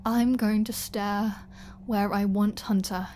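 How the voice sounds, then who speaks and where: Woman acting as a slow-talking flirty starving vampire woman. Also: mid-range voice, steady tone, a little mellow, a little hiss or hum, lightly acted. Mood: teasing, flirty. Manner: breathy asides, halting, teasing and pleading. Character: flirty, starving female vampire, captive, teasing yet desperate. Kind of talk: ASMR roleplay audio drama.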